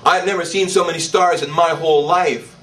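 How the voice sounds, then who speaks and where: An older man, a priest, preaching a sermon in church, slow and emphatic, with declarations that rise in pitch. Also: fairly even intonation, fairly bright tone, distant mic, poor audio. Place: church, indoors. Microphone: stand mic in front.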